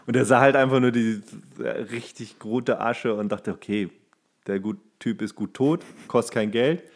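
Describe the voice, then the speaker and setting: A man's voice: medium pitch, moderate pace. Slangy young man swapping bar stories. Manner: colloquial, slangy, acts out quoted remarks. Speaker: podcast co-host. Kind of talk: casual chat, telling bar anecdotes.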